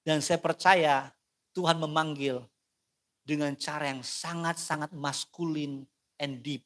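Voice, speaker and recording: Male pastor, lively playful sermon delivery with a bright, forward tone. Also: fairly high pitch, slow. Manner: animated, playful, questioning the congregation.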